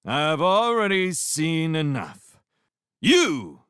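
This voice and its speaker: A man's voice: medium pitch, very animated, slow pace, smooth, no room sound, clean studio sound, voice pushed up. A man voicing a soaked, very drunk fisherman who scolds people with theatrical mock outrage. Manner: slurred, theatrical, shouting.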